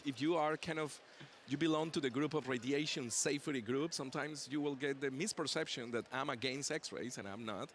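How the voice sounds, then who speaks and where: A pediatric dentist and professor talks briskly, with few pauses, as a guest in a casual interview, joking about his own pronunciation. His medium-pitched voice has a fairly bright tone, and the busy convention exhibit hall adds slight background noise.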